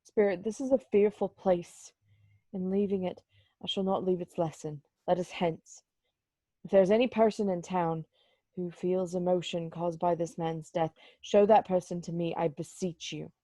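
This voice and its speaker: A woman's voice: fairly low pitch, steady tone, normal speed, dark tone, no echo, natural voice. A woman playing a frightened, remorseful old male miser, solemn and theatrical, in an amateur dramatised reading. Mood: pleading. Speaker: library staff reader in a play.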